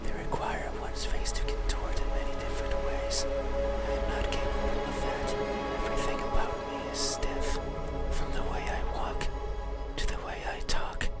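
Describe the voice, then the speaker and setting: An ancient demon played by an actor speaks in a breathy, intimate whisper over loud game music. He is melancholy and detached, choosing formal words slowly and solemnly, as in a visual novel. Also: lightly acted. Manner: slow, halting, solemn, formal diction. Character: ancient, melancholy, emotionless male demon seeking identity.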